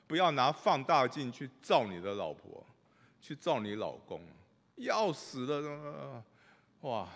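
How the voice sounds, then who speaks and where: A middle-aged man, a pastor, preaching a sermon with animated storytelling, swinging from loud bursts to hushed asides. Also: medium pitch. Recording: long reverb of a large hall.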